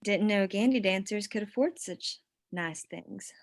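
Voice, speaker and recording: Young female sweetheart, actress reading, plainspoken and teasing, mid pitch, romantic period drama. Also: a little slow, lightly acted. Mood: teasing, curious. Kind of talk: screenplay table read acting.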